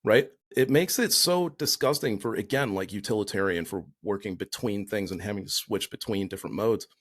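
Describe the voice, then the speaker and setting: Man, somewhat low voice, rambling podcast co-host, casual chat. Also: brisk. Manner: rambling, explanatory.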